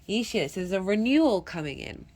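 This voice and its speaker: A woman's voice: medium pitch, animated, fairly quick, darkish tone. A woman giving a channelled tarot reading, congested from a cold. She talks in an earnest, meandering way with many restarts and breaks into chanted syllables. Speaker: tarot reader.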